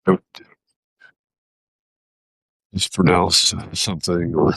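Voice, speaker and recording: A man's voice: sits low, fairly even intonation, moderate pace, a bit bright, slightly rough, no echo. An American man hosting a live video, talking in a reflective, casual way and searching for his words as he goes. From United States.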